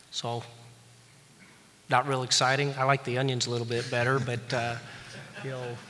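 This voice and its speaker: A man speaks at a moderate pace and medium pitch in a monotone, flat intonation, with long, frequent pauses. Noticeable background noise and audible room echo surround him. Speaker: seafood distribution director. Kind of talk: conference panel talk.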